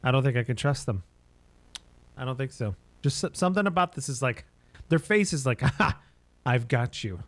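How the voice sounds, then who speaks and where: Brisk and expressive at a medium pitch, this thirty-something streamer jokes around while playing a horror game. His talk is loose, half-serious gameplay commentary full of reactions.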